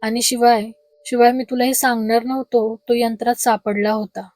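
A woman voicing a frightened elderly husband with a hoarse, trembling voice, pleading with his wife. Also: on the high side, flat delivery, normal speed, darkish tone, dry recording, studio quality, close to an everyday voice.

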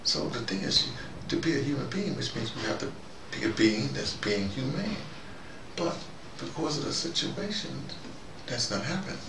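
A man in his fifties giving a rambling spoken talk to a small group, jumping between ideas and leaping up in pitch for emphasis. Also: sing-song, normal speed, vocal fry. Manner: digressive, with sudden rising emphasis. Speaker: commentator speaking to a small audience. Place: small room indoors. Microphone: far camera mic. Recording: roomy, distant, noisy.

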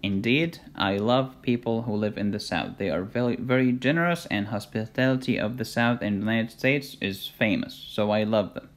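A man's voice: on the low side, moderate pace, hardly any pauses. A man from Egypt with an Egyptian accent, teaching a medical lecture as a voice-over and making his points with jokes and rhetorical questions. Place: voice-over recorded for a drawn lecture video.

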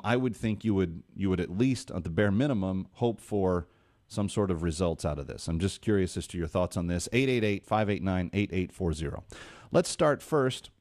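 A man with a fairly low voice hosts a call-in radio show into a studio boom mic. He talks earnestly, restarting his sentences as he goes. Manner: earnest, animated hand gestures, many restarts. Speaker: radio talk show host.

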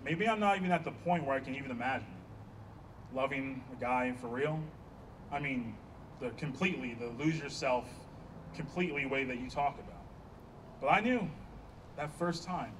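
A young man playing a sarcastic, caring gay friend in a staged play reading, with an emphatic, sharp-tongued delivery. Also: mid-range voice, close to an everyday voice. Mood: tender, earnest. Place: small outdoor stage by a block wall. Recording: distant outdoor stage pickup, faint ambient noise.

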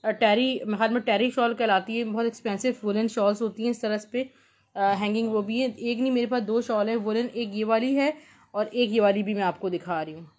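A woman with a Pakistani accent hosting an informal live shopping sale, pitching repetitively and mixing in English words. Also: fairly even intonation, a little fast, a little mellow. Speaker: live-sale host selling clothes.

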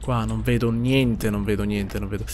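A man's voice: fairly low pitch, fairly even intonation, moderate pace, noisy background. A man streaming a horror game, nervously muttering, repeating himself and swearing as he plays. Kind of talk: live gameplay commentary.

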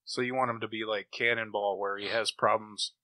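A man co-hosting a podcast, chatting casually in an animated, opinionated way. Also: fairly low pitch, fairly quick, no room sound. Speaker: podcast co-host. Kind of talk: casual chat about comic books and old radio shows.

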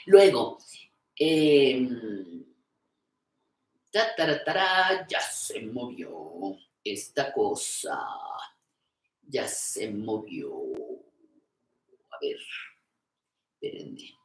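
A woman's voice: rumbling low, sing-song, drawn-out words, long pauses. An older woman hosts a live stream, reading viewers' comments aloud and answering them in an encouraging, affectionate way. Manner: warm, encouraging, calls viewers "reina". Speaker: host of a live show on creative aging. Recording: echoey room.

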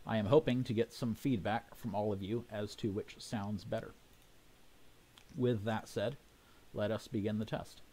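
A man reading a scripted technical narration in a measured, explanatory way. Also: lowish voice, steady tone, warm tone, rough recording. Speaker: amateur radio experimenter.

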